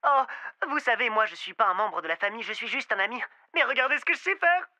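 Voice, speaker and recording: A man voicing a nervous, eager, goofy boy in a French cartoon dub, hesitant and excitable, with music behind. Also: very high voice, fast, heavily acted.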